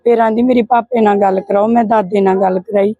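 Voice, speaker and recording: A woman's voice: medium pitch, fairly even intonation, brisk, warm tone, no echo, lo-fi sound. A Punjabi woman, the victim's aunt, answering a reporter and steadily recounting phone calls. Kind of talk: interview answers.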